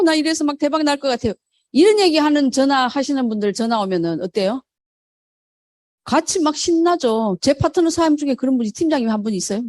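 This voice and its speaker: A woman's voice: high voice, darkish tone, dry recording, studio quality. A middle-aged woman leading a motivational sales seminar, who poses questions to the audience, answers them herself, and acts out quoted phone calls. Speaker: network marketing sales leader.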